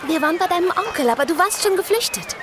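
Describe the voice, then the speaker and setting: A woman's voice: very high-pitched, animated, fast talker, noisy background. An actress playing a plucky, loyal and cheeky girl in an audio drama. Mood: eager, defiant.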